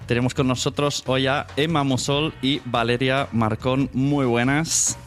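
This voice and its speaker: Casting: male podcast host, mid-pitched, informal and rambling, faint music behind. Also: steady tone, unhurried, a bit bright. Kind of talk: casual interview presenting.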